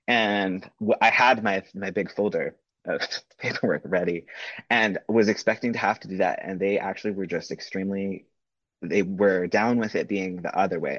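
This man co-hosts a podcast, chatting loosely and laughing a lot. His voice is low and husky with no room sound, captured on lo-fi audio that's a bit dull.

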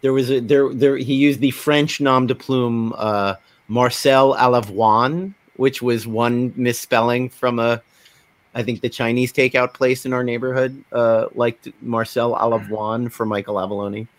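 A man's voice: mid-range voice, little pitch movement, measured pace, no echo. A man hosting a casual podcast, talking in a wry, digressive way. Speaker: podcast host.

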